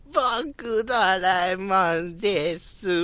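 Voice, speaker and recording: In a put-on character voice at a middle pitch, the speaker draws words out at a very slow pace. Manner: playful imitation of an anime character.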